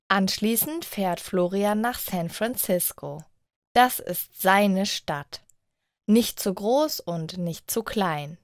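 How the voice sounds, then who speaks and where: Female narrator for language-learning stories, lower voice, very slow and measured delivery. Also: dry recording, clean studio sound. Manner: measured, simple short sentences.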